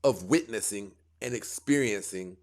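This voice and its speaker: A man hosting a dating advice stream, lecturing his viewers in a casual, animated way. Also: fairly low pitch, a little slow. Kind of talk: casual live commentary.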